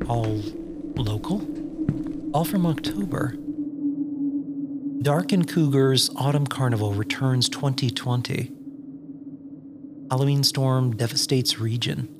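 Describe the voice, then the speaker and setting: Wary wasteland survivor, mid-pitched. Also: male voice, slow pace, pauses often, heavy background noise. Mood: hushed, grave. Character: wary, exasperated, foul-mouthed male wasteland survivor. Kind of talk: dark comedy audio drama acting. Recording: music under the voice.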